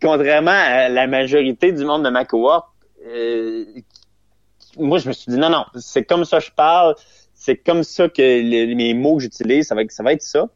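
Here a young Québécois comedian chats loosely in an interview, amused at himself and constantly restarting amid filler words. He speaks at a moderate pace in a mid-range voice. The audio is dry, a bit dull, with a lo-fi quality.

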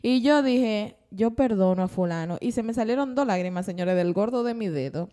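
A woman's voice: mid-range voice, moderate pace. A woman co-hosting a casual Christian talk show, telling personal faith stories with animation and frequent laughter. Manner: animated storytelling, laughs often. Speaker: podcast co-host.

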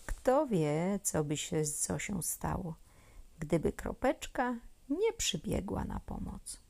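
A woman reading a children's story aloud as a storyteller, gentle and expressive, often dropping to a near whisper. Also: on the low side, takes it slowly, gravelly.

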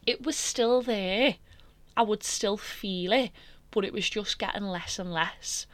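A woman's voice: mid-range voice, a little slow, no echo. A woman hosting a podcast, telling her own story in a candid, emotional, rambling way with many fillers. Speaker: podcast host.

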